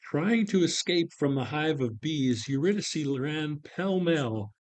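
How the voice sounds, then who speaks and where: A man narrating a play reading in a measured, expressive storytelling style. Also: fairly high pitch.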